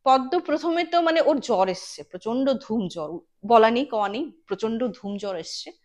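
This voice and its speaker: A woman with a notably high-pitched voice recounts a haunting incident as if talking to a friend. She rambles conversationally, leaning on fillers and slipping English words into her sentences. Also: animated, moderate pace, darkish tone. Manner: chatty, full of fillers, mixes English words into speech. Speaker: storyteller recounting a true ghost incident. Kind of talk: casual conversational horror storytelling.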